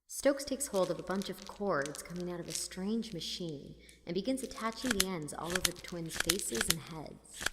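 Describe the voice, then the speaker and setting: A woman's voice: lowish voice, normal speed, hardly any pauses, noisy background, close to an everyday voice. A woman playing a wry, weary student who narrates an audio drama in informal, slangy language. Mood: wry narration. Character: sardonic, weary female student narrating her adventures. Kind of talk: audio drama acting and first-person narration. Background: loud music.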